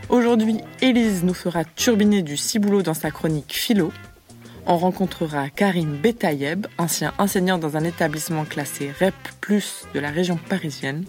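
A woman with a low voice hosts a radio show. She reads her presentation in a clear, measured manner, with faint music underneath. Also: darkish tone.

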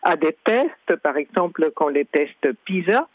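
A woman's voice: deep voice, expressive, measured pace, dry recording. A woman from Venezuela, a sociologist guest answering interview questions in a thoughtful, hesitant, explanatory way over the phone. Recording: tinny dry phone line.

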